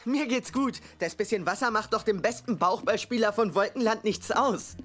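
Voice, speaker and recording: A woman's voice: medium pitch, moderate pace, close to an everyday voice. A woman voicing an eager, sporty, boastful young bear in a cartoon, with a bouncy, enthusiastic manner. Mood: excited, boastful.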